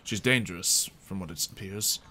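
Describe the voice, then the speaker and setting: Man playing a measured, formal fantasy guard. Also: sits low, sharp tone, pitched below the performer's own voice. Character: formal, self-important elite guard of a fantasy realm.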